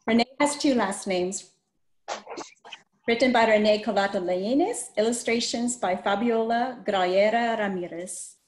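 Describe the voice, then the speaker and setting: Higher-pitched woman reading aloud, echoey room. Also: a little slow, a little mellow, slight background noise. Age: middle-aged. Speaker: host reading a children's book. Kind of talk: picture book read-aloud. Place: plain small room, indoors. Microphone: video call computer microphone. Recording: roomy, echoey video call.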